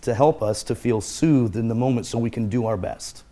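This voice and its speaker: A man's voice: medium pitch, moderate pace, mellow. A man speaking as a guest therapist, explaining in an earnest conversational way and repeating his key phrases.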